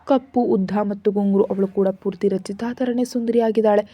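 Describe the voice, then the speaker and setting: A woman narrating a scripted story in a steady, even reading. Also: mid-range voice, brisk, no room sound. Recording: dull lo-fi recording.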